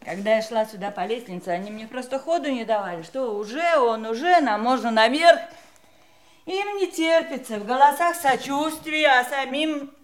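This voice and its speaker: An actress playing the bitter, combative adult daughter of a dying man in an audio drama, sharp, accusing and sarcastic. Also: high voice, moderate pace, close to an everyday voice. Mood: indignant. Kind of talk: stage-style audio drama acting.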